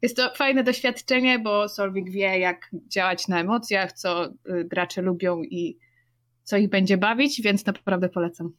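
A woman's voice: mid-range voice, steady tone, a little slow, a bit bright. Female tabletop player, thoughtful, rambling, casual chat. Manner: thoughtful, rambling, searching for words.

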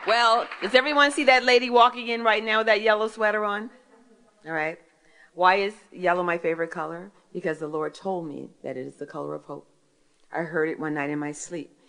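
Deep-voiced woman in her sixties testifying. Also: fairly even intonation, a little fast, a bit bright. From Philadelphia, United States. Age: 60s. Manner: storytelling, asks and answers her own questions. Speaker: author and speaker. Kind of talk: faith testimony talk to an audience.

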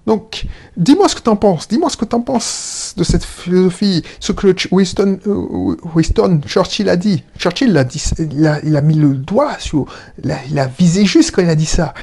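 A man talking as an entrepreneur in a casual solo monologue, animated, often restarting and correcting himself. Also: high voice, normal speed, creaky, breathy edge. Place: indoor room with air conditioning. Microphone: own microphones.

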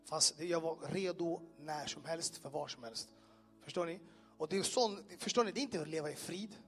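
A man telling his personal testimony to a live audience, animated, asking listeners questions and making sound effects. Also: on the high side, husky, faint music behind. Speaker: speaker giving a personal testimony. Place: in front of an audience in a room.

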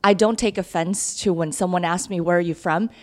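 A Guatemalan-born woman in her thirties, raised in Kansas and a native Spanish speaker, appears as a podcast guest while running for mayor. She tells her story in an upbeat, earnest way, her voice on the low side, fairly quick and fairly even in intonation, with a darkish tone.

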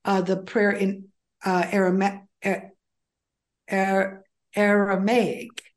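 A woman's voice: mid-range voice, level tone, slow pace. An older woman whose first language is Greek, talking as a guest in a casual interview, rambling with frequent ums and restarts. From United States. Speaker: author and guest.

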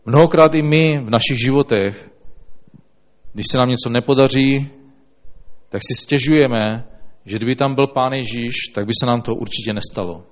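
A man reading scripture aloud and then preaching, in a slow, measured way with small restarts. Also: medium pitch. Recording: dull lo-fi recording.

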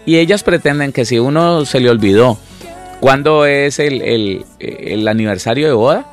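Minister guy chatting on a christian show, does little voices for husband and wife, repeats himself a lot, soft music under it. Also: medium pitch, normal speed. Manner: acts out spouses in quoted dialogue, repeats words often. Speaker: minister, co-host. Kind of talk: casual chat on a Christian program.

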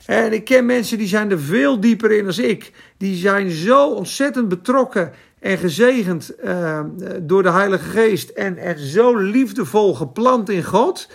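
A man preaching a sermon and answering viewers' questions, fervent at times and soft and musing at others. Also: high voice, animated, unhurried, creaky. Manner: fervent, shifts between loud exclamation and soft musing. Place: church or home stream for Facebook.

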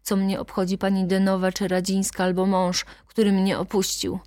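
A woman's voice: mid-range voice, completely flat delivery, moderate pace, mellow, no echo, lightly acted. Woman voicing a young wife, hard and defiant, dry close voice, audiobook scene.

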